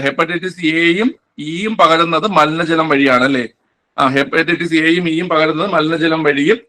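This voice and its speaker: A male teacher runs an online quiz class for exam aspirants. His voice is bright and sits a little high, and he repeats every answer, often answering his own questions. He talks in a casual classroom manner.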